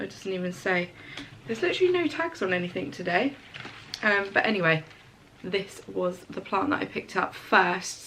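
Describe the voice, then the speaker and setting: A woman's voice: medium pitch, a bit bright, a little hiss or hum, poor audio. Bubbly congested woman. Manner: bubbly and gushing, chatty asides. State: congested, stuffy-nosed. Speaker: home and lifestyle vlogger. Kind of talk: casual chatty haul video. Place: bedroom, sitting on the floor.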